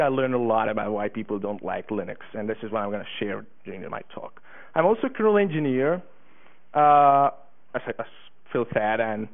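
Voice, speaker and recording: A teenage man from Hungary speaks to a conference room in an eager, stop-start way, full of fillers and self-corrections. The sound is thin and tinny, like it came down a phone line. His pitch sits in an ordinary middle range for a man. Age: teens. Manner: eager, many uh fillers and restarts. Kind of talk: conference talk.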